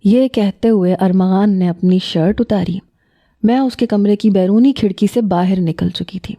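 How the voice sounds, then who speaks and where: A woman narrating a first-person story in a calm, steady storytelling manner. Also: mid-range voice.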